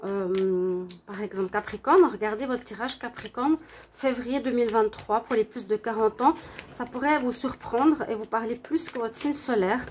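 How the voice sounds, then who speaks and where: Stuffy-nosed from a cold, a woman tarot reader gives her viewers a relaxed reading, speaking gently and haltingly with many hesitations. Her voice sits on the high side, with slight background noise.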